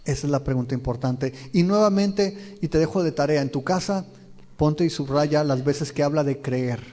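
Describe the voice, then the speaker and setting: A man's voice: fairly high pitch, moderate pace, mellow. A man, a pastor teaching a verse-by-verse Bible sermon. He often asks his listeners questions and retells the scenes vividly. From Mexico. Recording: long reverb of a large hall.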